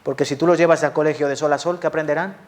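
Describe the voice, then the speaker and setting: A man with a Spanish accent from Spain preaches a sermon in a voice a little higher than most men's. He speaks with passion, putting questions to his listeners and answering them himself. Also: steady tone, very fast. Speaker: pastor.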